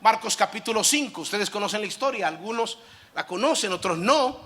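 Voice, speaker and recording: High, bright-voiced pastor preaching. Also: male voice, expressive, brisk. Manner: emphatic, with repetitions and asides. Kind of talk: sermon.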